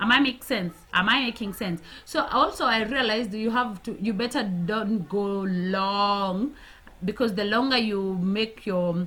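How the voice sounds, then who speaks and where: Speaking with a Kenyan accent, a woman talks at a fairly slow pace in a fairly high pitch. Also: ordinary pitch variation. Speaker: DIY and home decor vlogger. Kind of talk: tutorial; casual chat. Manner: halting.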